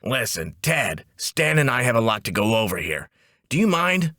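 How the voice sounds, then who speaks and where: Man voicing a brisk, animated wisecracking woman boss. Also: mid-range voice, no room sound, clean studio sound. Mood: breezy, blunt. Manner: breezy, emphatic, joking. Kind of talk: comic audiobook dialogue.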